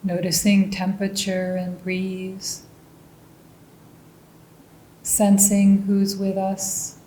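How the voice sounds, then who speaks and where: A woman leading a guided mindfulness meditation, speaking calmly and gently. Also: mid-range voice, reverberant, slight background noise, low-quality recording. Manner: slow, calm and gentle instruction.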